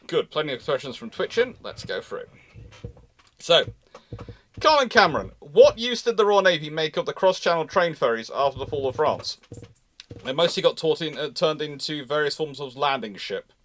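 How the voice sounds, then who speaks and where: A man's voice: fairly high pitch, big pitch swings, normal speed, a bit bright, a little hiss or hum. A man hosting a casual live question-and-answer talk, often breaking off and restarting as he speaks. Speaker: host of a naval history livestream.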